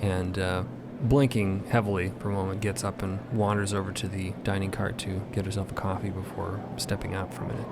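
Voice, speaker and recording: A man tells a fiction podcast story with descriptive deliberation. His voice is low with plenty of vocal fry, and clear ambient noise rumbles behind him. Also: little pitch movement, fairly quick. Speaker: podcast narrator. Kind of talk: improvised story narration.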